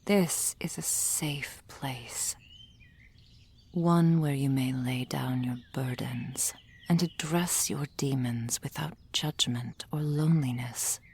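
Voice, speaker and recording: A woman voicing a gentle female soul healer in an ASMR roleplay, whispering softly and soothingly into a close microphone. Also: extremely low pitch, full character voice. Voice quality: breathy whisper. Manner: soft whispering, slow and soothing. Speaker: ASMR performer.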